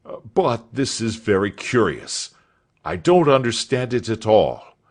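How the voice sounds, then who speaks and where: A man reading aloud voices a kindly, eager schoolmaster keen on boxing, with an animated, exclaiming delivery. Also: medium pitch, measured pace, voice pushed up, heavily acted.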